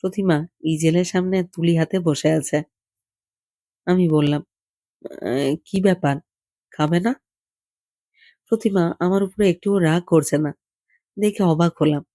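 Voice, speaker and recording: Audiobook story reader, medium pitch, warm dark tone, intimate fireside storytelling, dry sound. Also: normal speed, long pauses, no echo. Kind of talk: scripted narration of a literary short story, unhurried storytelling.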